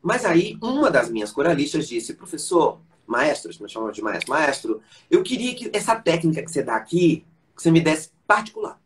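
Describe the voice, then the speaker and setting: A man's voice: on the high side, fairly quick, hardly any pauses. A man, a voice teacher and conductor, telling stories as the guest in an interview and acting out the voices of the people he quotes. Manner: animated storyteller who acts out quoted voices. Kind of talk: live-stream interview storytelling.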